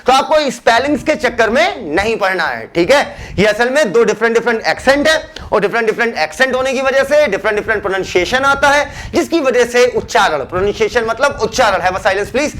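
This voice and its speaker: A man's voice: extremely high pitch, animated, fairly quick, few pauses, fairly bright tone. A man teaching a biology class in a chatty, teasing manner. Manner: chatty, teasing, addresses students as beta. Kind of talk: classroom lecture.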